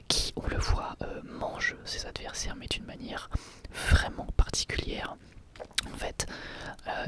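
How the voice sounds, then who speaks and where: Whispering ASMR reviewer of unclear sex. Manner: hesitant, informal, halting phrasing.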